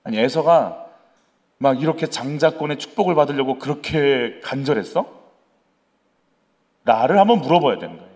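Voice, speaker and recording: A man preaching a sermon as the pastor of a church, asking the congregation questions and acting out voices. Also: fairly high pitch. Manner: animated, acts out quoted voices; conversational, asks the congregation questions.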